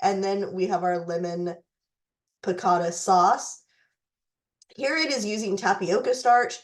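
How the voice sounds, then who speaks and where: Woman going thru recipes real slow, voice going hoarse, fighting a cough. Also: medium pitch. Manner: slow, deliberate, with fillers and restarts. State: losing her voice, fighting a cough. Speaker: recipe tutorial host. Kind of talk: reading a letter, then walking through recipes.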